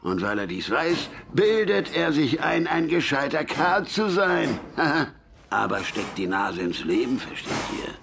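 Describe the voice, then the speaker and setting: Brief: a crusty old gunsmith, gravelly and mocking, radio play. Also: male voice, fairly high pitch, very animated, a little slow, background noise, exaggerated voice. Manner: scolding, mocking, laughs at the younger man. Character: gruff older male gunsmith, blunt and teasing. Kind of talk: German radio play acting.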